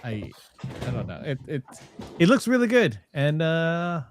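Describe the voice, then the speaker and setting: A man's voice: on the high side, wildly swooping pitch, a little slow, slight background noise. Casual man hosting a gaming chat. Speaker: podcast host.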